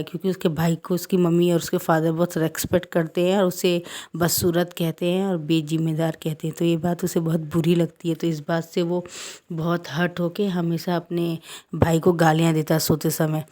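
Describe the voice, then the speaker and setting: A woman's voice: on the low side, little pitch movement, normal speed, dark tone. A woman casually retelling a fan-fiction story in a chatty, conversational way.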